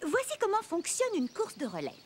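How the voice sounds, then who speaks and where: A woman playing a cheerful, encouraging young preschool teacher in a French children's cartoon, giving clear, animated instructions. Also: very high-pitched, fairly quick, a little hiss or hum, full character voice. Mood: explaining brightly. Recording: music bed under the voice.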